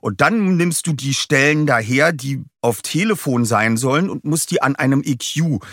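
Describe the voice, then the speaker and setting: A man's voice: medium pitch, expressive, normal speed, a bit bright, no room sound, clean studio sound. A man on a podcast panel, explaining as a sound expert in casual conversation.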